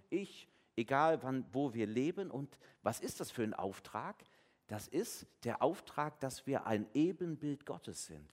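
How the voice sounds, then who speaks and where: A male pastor preaches a family service sermon in a relaxed, conversational way. His pitch moves a lot, and he slips into voices for the people in his retold dialogues. The sound carries the long reverb of a church.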